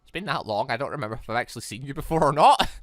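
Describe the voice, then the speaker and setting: A gaming YouTuber giving casual, rambling, expressive let's play commentary on a visual novel, speaking emphatically. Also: mid-range voice, racing, no room sound, clean studio sound. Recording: game music playing behind voice. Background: visual novel game music.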